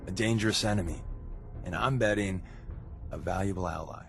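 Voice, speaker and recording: An actor playing a practical, secretive spy in a video game, with a familiar, knowing manner. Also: male voice, low-pitched, a little fast, vocal fry, fairly bright tone. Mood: measured, knowing. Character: practical, secretive male railroad spy agent. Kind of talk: video game character acting. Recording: game dialogue with faint music behind.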